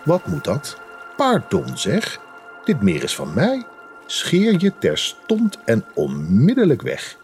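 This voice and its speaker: A man's voice: on the high side, wildly swooping pitch, slow, darkish tone, soft background music, pitched above the performer's own voice, exaggerated voice. A man voicing a rude, impatient little man who guards a lake and spits when he talks, in a storybook tale. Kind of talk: storybook character voice.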